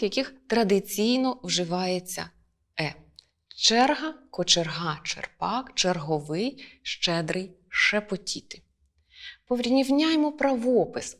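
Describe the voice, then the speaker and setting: Measured woman teacher. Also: mid-range voice, a bit bright. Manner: clear, measured, stresses each example word. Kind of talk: lesson.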